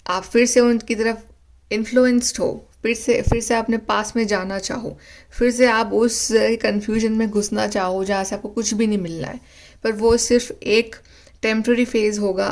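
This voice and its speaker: A woman giving a spiritual tarot reading, talking earnestly in a coaching manner and mixing Hindi with English. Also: medium pitch. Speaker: tarot reader.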